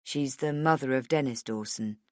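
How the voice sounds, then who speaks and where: Low voice, woman as calm male investigator, persistent, measured, audiobook character, dry recording. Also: no echo. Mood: calm, matter-of-fact.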